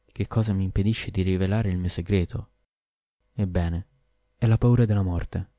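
Guy doing a fed-up merchant, loud and emphatic, storybook tale. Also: deep voice, fairly even intonation, normal speed, no echo, studio quality, natural voice. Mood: exasperated. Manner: exasperated, emphatic. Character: weary merchant who understands animals, adult man. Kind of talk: audiobook character voice.

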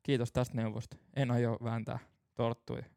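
Dry, teasing man with a dark gravelly voice. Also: medium pitch, flat delivery, no room sound. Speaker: podcast co-host. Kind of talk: casual teasing banter.

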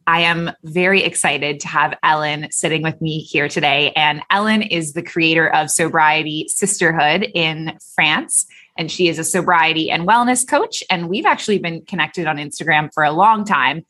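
A woman's voice: deep voice, normal speed, sharp tone. A woman from Canada hosting a podcast, upbeat and enthusiastic with her guest. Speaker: podcast host. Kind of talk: podcast interview.

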